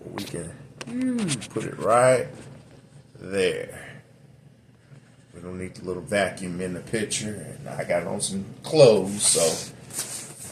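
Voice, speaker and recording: A middle-aged man vlogging from home to a camera he set up, talkative and rambling with lots of fillers and restarts. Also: a little hiss or hum. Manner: drops into a deep put-on radio voice. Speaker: vlogger reviewing a product. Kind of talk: rambling casual vlog. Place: home room. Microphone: camera set up nearby.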